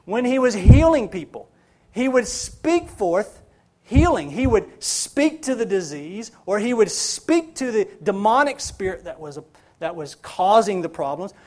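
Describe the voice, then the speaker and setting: A male pastor with a notably high voice delivers his sermon slowly and deliberately. He leans on repetition, pressing key phrases again and again as his emphasis builds. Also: very animated, darkish tone. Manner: preaching with rising emphasis, repeats phrases for stress.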